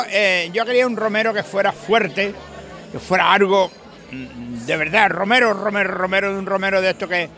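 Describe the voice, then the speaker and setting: A high, creaky, sharp-toned voice belongs to an older man with an Andalusian Spanish accent, chatting emphatically and in a rambling, folksy way. The interviewer holds a handheld mic to him on a beach bar terrace at night, and music and crowd noise drift faintly behind.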